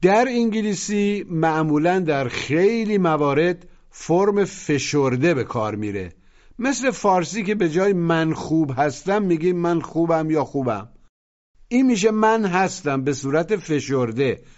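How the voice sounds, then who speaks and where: A man's voice: a little high, animated, a little mellow. A man teaching a language lesson, patiently prompting listeners to repeat after him. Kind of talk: instructional narration. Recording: muffled lo-fi audio.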